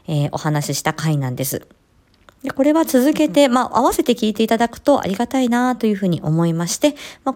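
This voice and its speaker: Woman host with a lively, varied pitch. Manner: polite, courteous, frequent filler pauses. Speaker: podcast host, speech-language-hearing therapist. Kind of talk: podcast introduction.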